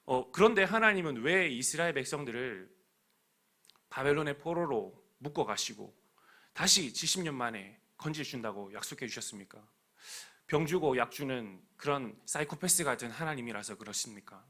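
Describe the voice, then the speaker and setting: A man's voice: mid-range voice, lively intonation, moderate pace, bright, forceful tone. A man preaching a sermon in an earnest, fervent way, with prayerful appeals to the congregation.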